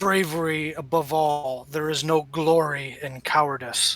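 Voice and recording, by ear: A raspy, bellowing put-on character voice at a middle pitch. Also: moderate pace.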